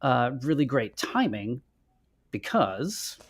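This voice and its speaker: A man chats as co-host of a casual live stream, with very lively swings in pitch. His delivery is enthusiastic and playful, a little halting as he goes. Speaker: podcast co-host.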